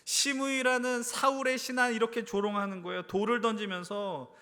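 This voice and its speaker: A male preacher giving an earnest sermon to a church youth service. He asks the congregation question after question and moves between hushed low phrases and raised emphatic ones. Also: flat delivery, moderate pace. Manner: earnest, addresses the congregation with frequent rhetorical questions. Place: church sanctuary. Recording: reverberant hall.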